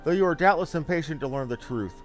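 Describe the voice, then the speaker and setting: A man's voice: on the high side, animated, fast, soft background music, lightly acted. A man voicing a solemn ancient guardian from a fantasy game, speaking in formal, archaic phrases. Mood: calm, reassuring. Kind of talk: fantasy game dialogue read aloud.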